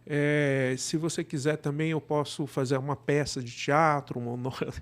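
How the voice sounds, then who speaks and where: As a guest in a relaxed interview, a middle-aged director and cultural producer with a Brazilian accent and a slightly high voice explains his work conversationally at a moderate pace. He often slips into imagined remarks to make a point.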